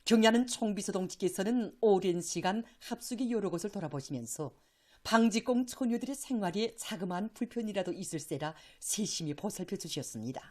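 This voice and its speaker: A woman's voice: mid-range voice, animated, brisk, darkish tone. A woman news announcer with a North Korean accent, reading formal scripted state news in a solemn, declamatory, reverent manner.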